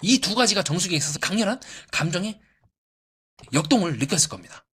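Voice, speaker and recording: A man's voice: sits high, fast, breathy edge. A man giving an analytical commentary on a reality show, asking rhetorical questions and answering them himself. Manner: lively, acts out quoted voices. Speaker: YouTube psychoanalysis commentator.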